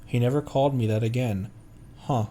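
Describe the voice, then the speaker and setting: A man's voice: medium pitch, fairly even intonation, a little fast, dark tone. A man streaming a game with casual commentary, often stopping and restarting as he talks.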